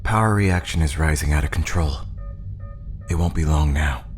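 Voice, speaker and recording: An actor playing an earnest, caring starship engineer in a science fiction audio drama, talking in a plain way. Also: male voice, very deep voice, normal speed, soft background music. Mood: sorrowful.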